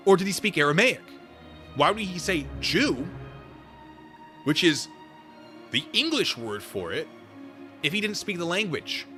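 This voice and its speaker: A man's voice: fairly high pitch, big pitch swings, unhurried, pauses often, bright, forceful tone, soft background music. A man hosting a livestream, chatting casually with viewers in a theatrical, emphatic manner. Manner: theatrical, emphatic, exasperated debating. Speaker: livestream host.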